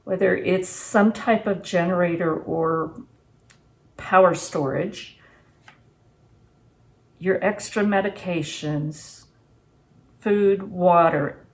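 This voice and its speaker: Her voice on the low side, slow and often pausing, a sixty-something woman speaks casually to camera from a home kitchen. She's a homesteading vlogger, reflective and plain-spoken as she reviews gear and offers practical tips.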